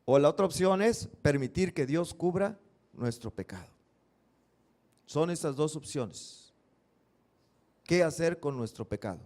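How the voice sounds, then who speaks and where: Pastor guy giving a sermon, kinda high voice, earnest, asks the crowd stuff. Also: animated, unhurried, long pauses, a little mellow. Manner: earnest, uses rhetorical questions and vivid stories.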